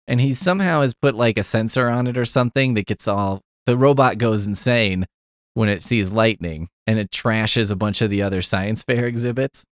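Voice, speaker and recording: A middle-aged man with a low voice talks casually on a podcast, recorded dry and close with no room sound. He rambles through a story full of fillers and asides, sarcastic and quick to swear. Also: dry recording. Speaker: podcast host.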